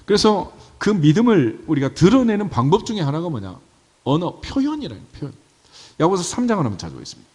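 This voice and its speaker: A man's voice: a little high, wildly swooping pitch, fast, darkish tone, husky. A male pastor preaching a sermon, talking conversationally and tossing rhetorical questions to his congregation. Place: church sanctuary. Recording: reverberant church hall.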